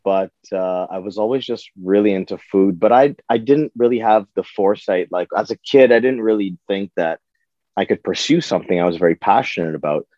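A man's voice: lowish voice, fairly quick, dark tone, no echo. A man from Toronto, chatting casually as an interview guest in slangy talk, on a slightly muffled recording. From Toronto, Canada. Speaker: podcast guest, chef.

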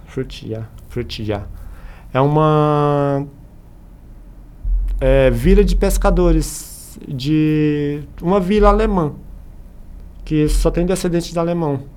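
A Brazilian man chatting casually as a podcast guest, telling anecdotes in an animated way and acting out the dialogue. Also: fairly high pitch, slow pace, smooth. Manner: animated retelling with acted-out dialogue.

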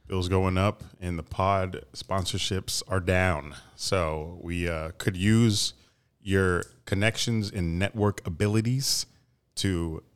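A man's voice: sits low, fairly even intonation, slow pace, smooth. A young adult man co-hosting a casual podcast, talking informally with slang and some swearing. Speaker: podcast co-host.

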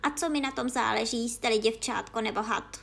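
A woman voicing a suspicious, complaining male pigeon in a storybook reading, with a lowered, gruff, scolding voice. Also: fairly bright tone, heavily acted. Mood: grumbling.

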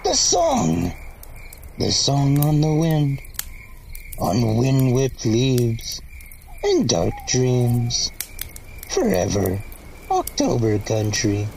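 An actress playing a mad, gleeful raider woman in a dark audio drama, talking in eerie, theatrical sing-song fragments. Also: rumbling low, huge pitch swings, very slow, gravelly, long pauses, a little hiss or hum, exaggerated voice. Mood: dreamy madness.

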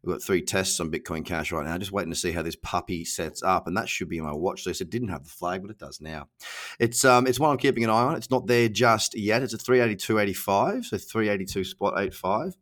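A middle-aged Australian man hosts his podcast alone in a loose, slangy, self-mocking way. His voice is on the low side and comes out nasal and stuffy from a cold. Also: fairly quick, a bit bright. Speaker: podcast host. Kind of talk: casual solo podcast.

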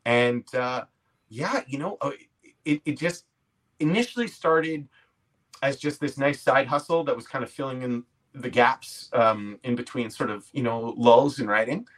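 A Canadian man in his forties chats as a guest, with a voice of ordinary middle pitch. He tells his stories casually and loosely, poking fun at himself as he goes. It has the easy flow of a conversational interview. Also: unhurried, a bit bright. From Quebec, Canada. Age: 40s. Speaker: podcast guest, comedy actor and writer.

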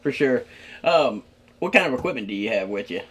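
A man hosting a casual interview with a musician, relaxed and encouraging, often adding short agreements. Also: mid-range voice, brisk, breathy edge. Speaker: interview host.

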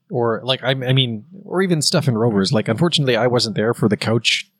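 A man's voice: mid-range voice, fairly quick, husky, no echo. A Canadian man co-hosting a podcast in casual chat, rambling with lots of fillers and restarts. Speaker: podcast co-host.

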